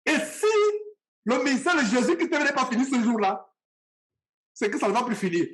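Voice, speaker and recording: A man's voice: extremely high pitch, expressive, normal speed, a bit bright. A man from Cameroon, preaching a sermon and speaking straight to his listeners with passion and repetition.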